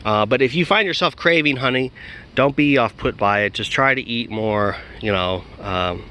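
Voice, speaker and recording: A man's voice: mid-range voice, moderate pace, pushed and bright, clean tone. A man talking casually in a vlog, rambling with many fillers and restarts, recorded outdoors. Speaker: diet vlogger.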